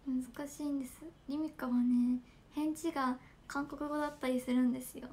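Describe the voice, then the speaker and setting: A woman's voice: high-pitched, flat delivery, normal speed, darkish tone. A young woman from Japan, chatting casually with fans on a smartphone livestream, giggling and reading out comments. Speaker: idol livestreamer.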